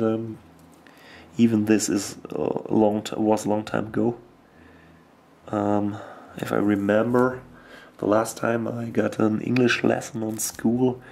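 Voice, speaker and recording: A young man with a German accent, a native German speaker, talking casually and hesitantly while he paints miniatures at his desk, often pausing to search for words. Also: on the low side, gravelly, darkish tone. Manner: slow, hesitant, searching for words with many ums.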